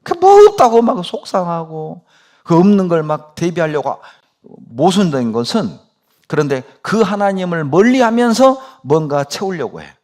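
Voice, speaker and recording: A man's voice: sits high, very animated, unhurried, a little mellow. A male pastor preaching a sermon, speaking emphatically and asking his congregation rhetorical questions.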